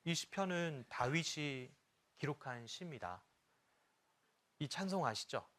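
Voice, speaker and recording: A man's voice: a little high, lively intonation, unhurried, a bit bright. A middle-aged man preaching a sermon to church teachers, reading scripture aloud and telling personal stories with humor. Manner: sings a hymn line briefly. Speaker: pastor.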